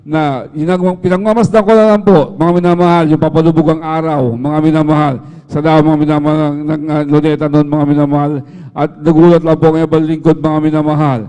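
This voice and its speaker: A man's voice: fairly high pitch, flat delivery, fairly quick, mellow, clean tone, big-room sound. A man with a Filipino accent giving a spoken testimony at a church prayer service, addressing the congregation as "beloved" between nearly every phrase.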